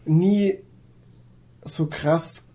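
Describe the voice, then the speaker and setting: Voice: medium pitch, extremely slow, mellow, poor audio. A podcast participant chatting casually. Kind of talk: casual chat.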